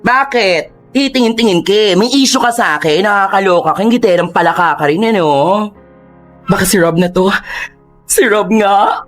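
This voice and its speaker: A man's voice: sits high, moderate pace, fairly bright tone, faint music behind. Man playing a campy dramatic young gay man. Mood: impatient. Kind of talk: radio drama acting.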